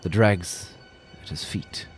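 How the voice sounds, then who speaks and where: A man narrating a scripted horror story in a slow, brooding way, sometimes dropping to a whisper. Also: low voice, faint music behind.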